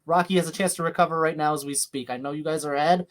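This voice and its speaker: A young man from New York hosting a casual watch-along podcast, calling the action excitedly and laughing often. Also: on the high side, very fast. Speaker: podcast host.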